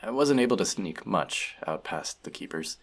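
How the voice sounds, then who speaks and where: Deep, husky, earnest elf friend acted by a man. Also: expressive, moderate pace. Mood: eager, sharing. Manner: earnest, hesitant, soft-spoken confiding. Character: earnest, bookish male elf outcast, gentle and self-doubting friend. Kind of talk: scripted audio roleplay addressed to the listener.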